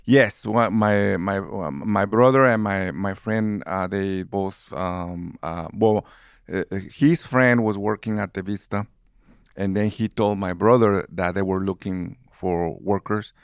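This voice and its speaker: A man's voice: deep voice, slow pace, clean tone, no room sound, studio quality. A man in his fifties from Guatemala with a Guatemalan Spanish accent, animatedly telling his life story in an interview. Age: 50s. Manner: warm, animated storyteller who laughs easily. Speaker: movie theater manager.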